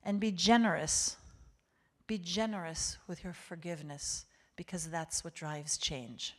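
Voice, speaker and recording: A woman who speaks Hebrew natively addresses a synagogue congregation live as a guest speaker, her talk heartfelt, emphatic, and inspirational, with phrases repeated for effect. Her voice is fairly low and her pace measured.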